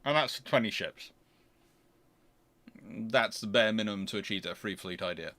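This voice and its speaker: A man's voice: lowish voice, moderate pace, sharp tone. Man thinking aloud, explaining. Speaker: history channel host answering viewer questions. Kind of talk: casual unscripted question-and-answer commentary.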